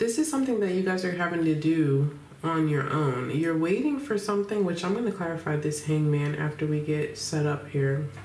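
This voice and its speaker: Room echo and light background noise surround a woman with a fairly low pitch. She keeps a moderate pace, very even loudness and ordinary pitch variation. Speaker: tarot reader. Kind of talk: tarot reading commentary. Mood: calm, reflective, occasional laughs. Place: home room.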